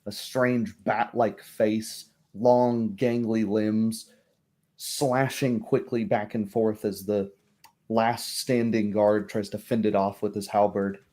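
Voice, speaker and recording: A man working as a game master, narrating a tabletop roleplaying game in a measured, descriptive storytelling manner. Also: lowish voice, flat delivery, a little mellow.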